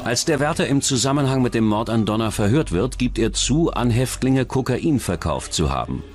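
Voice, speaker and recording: A man reading scripted true-crime documentary narration in a measured, serious manner. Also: mid-range voice, expressive, darkish tone, faint music behind.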